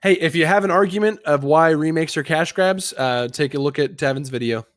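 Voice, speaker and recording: A man's voice: a little high, brisk. A man co-hosting a casual gaming podcast, talking insistently and often repeating his phrases to get his point in. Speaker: podcast co-host.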